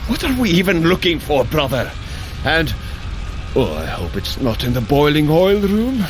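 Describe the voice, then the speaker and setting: A man's voice: on the high side, huge pitch swings, normal speed, music in the background. A man voicing a Norse god in an audio drama, an earnest, squeamish big brother with a theatrical, indignant, grumbling delivery. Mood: uneasy.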